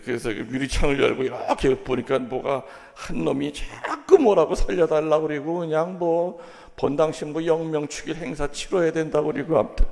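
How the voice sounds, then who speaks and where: A Catholic priest giving a sermon, telling a story in a humorous, conversational way. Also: male voice, fairly high pitch, creaky, a little mellow, long reverb tail.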